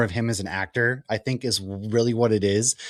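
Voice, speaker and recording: An American accent marks this man's speech at a medium pitch. He keeps a moderate pace. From Boston. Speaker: podcast host. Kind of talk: casual chat. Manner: animated.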